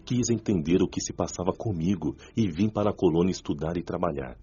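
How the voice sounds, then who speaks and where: A deep-voiced repentant spirit. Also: male voice, a little fast, warm tone, breathy edge, highs cut off. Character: former smoker spirit man recalling his suffering. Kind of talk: radio drama acting.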